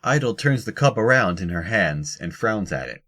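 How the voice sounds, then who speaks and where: Deep-voiced male story narrator. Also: lively intonation, moderate pace, sharp tone. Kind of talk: scripted audio drama narration.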